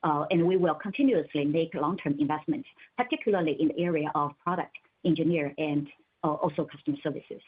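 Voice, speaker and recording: A woman executive answering analysts on an earnings call, measured and pausing between short phrases. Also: deep voice, a little hiss or hum. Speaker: company executive. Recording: muffled narrow telephone conference line.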